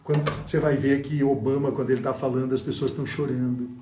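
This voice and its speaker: Man, speaking coach; dark, mellow tone, deliberate pauses and emphasis, echoey room, faint music behind. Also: mid-range voice, fairly even intonation, far from the mic. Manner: demonstrative, shifts loudness and pauses for effect. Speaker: public speaking teacher. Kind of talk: speech course lesson.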